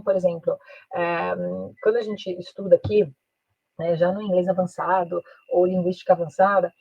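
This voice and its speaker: A woman's voice: fairly low pitch, breathy edge, no room sound, muffled recording. A woman with a Brazilian Portuguese accent, an English teacher giving an online master class in a chatty manner, often tagging her sentences with a question and slipping into English. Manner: chatty, peppers speech with "né?", switches into English.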